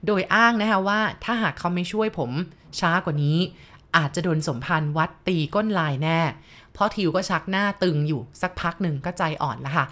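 Brief: woman storyteller, low voice, polite, speaks to the listeners directly. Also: brisk, fairly bright tone. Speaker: ghost story narrator. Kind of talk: narrated ghost story for listeners.

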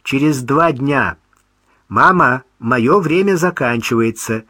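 A young son, read by a male narrator, reassures his mother on the phone with gentle irony. His voice is bright and unhurried. The recording is dry and close. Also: mid-range voice, animated, no room sound, exaggerated voice. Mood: ironic, soothing. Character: young man, wry, affectionate son.

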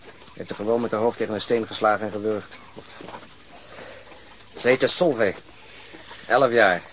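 A man's voice: fairly low pitch, steady tone, normal speed, fairly bright tone, a little hiss or hum, close to an everyday voice, rough recording. An actor in a Dutch radio drama playing a sober, grim male police detective who speaks in a terse, grave way.

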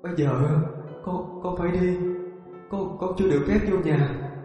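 A man voicing a sad little ghost boy who pleads softly and haltingly, close to tears. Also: high voice, faint music behind, pitched above the performer's own voice, natural voice. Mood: pleading. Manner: soft, tearful and halting. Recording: echoey with long reverb.

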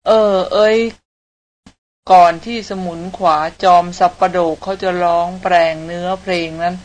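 A woman reading a novel aloud as an audiobook narrator, in an even, steady storytelling manner. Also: lowish voice, normal speed.

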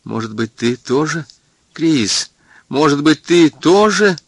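A man's voice: mid-range voice, expressive, moderate pace, pushed and bright, dry recording. A man voicing a distraught, frightened young woman, pleading in breaking phrases in an audiobook. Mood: bewildered. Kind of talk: audiobook character voice.

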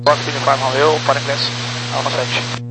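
A man's voice: medium pitch, flat delivery, fairly quick. A man with a Brazilian accent, a pilot making procedural radio readbacks and call signs to air traffic control. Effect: aviation radio transmission. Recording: very noisy humming cockpit radio.

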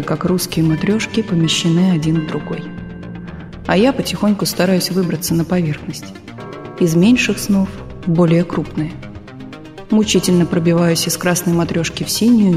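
A woman narrating a literary audiobook in a calm, measured reading style. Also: fairly low pitch. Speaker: audiobook reader.

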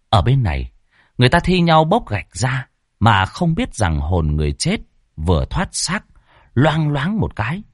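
A man narrating a ghost story in a lively, expressive, dramatic way. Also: on the low side, husky, dry recording, studio quality.

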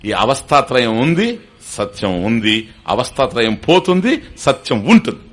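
This older spiritual teacher has a medium-pitched, sing-song voice and keeps a measured pace. Addressing an audience on Vedanta, he explains step by step, often asks his listeners questions, and slips English terms into his speech.

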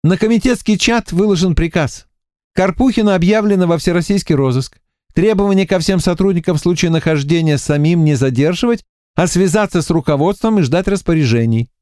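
A man's voice: high voice, a little fast, darkish tone, no room sound, studio quality, pitched above the performer's own voice, close to an everyday voice. A man voicing a stern young woman police lieutenant who scolds and gives orders in an audiobook. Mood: briefing. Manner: bossy, scolding, commanding.

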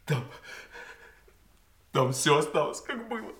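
An actor playing a sensitive, anguished grown son, apologetic and halting, in an emotional audio stage drama. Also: male voice, a little high, very animated, fairly bright tone, exaggerated voice. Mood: agitated, overwhelmed.

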